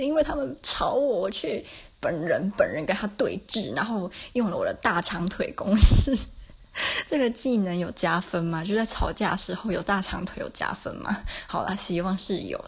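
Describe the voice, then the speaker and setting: A woman in her 20s hosts a casual solo podcast, her voice on the low side and slightly rough. She chats away with self-mocking stories and laughs frequently.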